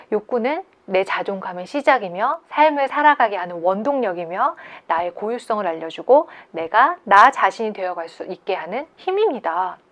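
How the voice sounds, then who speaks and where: Woman lecturing online, calm and explaining, asks the viewers questions a lot. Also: medium pitch. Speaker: creativity lecturer.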